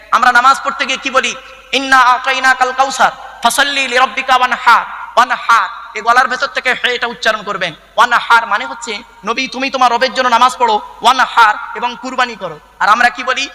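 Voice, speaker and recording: A man preaches a waz sermon through loudspeakers. His voice sits very high and sounds sharp and ringing. It trails off in a long reverb from the PA. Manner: emphatic, teaching, with many rhetorical questions. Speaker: Islamic preacher.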